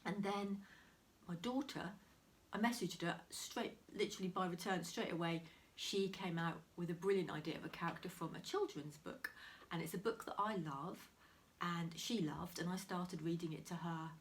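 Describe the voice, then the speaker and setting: Sitting in a room at home beside a window while heavy rain falls outside, a crafting vlogger chats casually to the camera about her crafts, a little nasal from a cold and frequently half-whispering. Her voice is lowish and her pace is normal, with faint rain noise in the recording.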